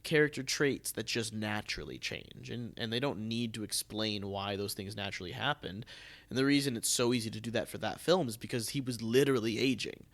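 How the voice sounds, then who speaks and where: A man's voice: on the low side, a little fast. A man hosting a casual theatre podcast, talking conversationally and often restarting his phrases. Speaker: podcast host, theatre producer.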